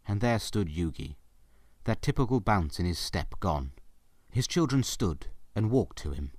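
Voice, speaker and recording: A man's voice: deep voice, darkish tone, dry recording, clean studio sound. A man narrating a scripted audio drama as a storyteller, with dramatic delivery.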